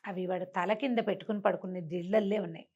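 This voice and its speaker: A woman's voice: fairly low pitch, steady tone, fast, darkish tone, muffled recording. A woman storyteller telling a moral tale conversationally, repeating phrases and asking rhetorical questions.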